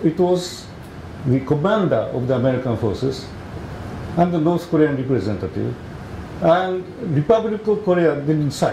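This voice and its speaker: There is light background noise and audible room echo. A man with a fairly high pitch speaks with lively intonation and long, frequent pauses. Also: moderate pace. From Japan. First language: Japanese. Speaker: activist; speaker. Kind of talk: conference talk. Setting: stage with audience. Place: meeting room. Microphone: podium.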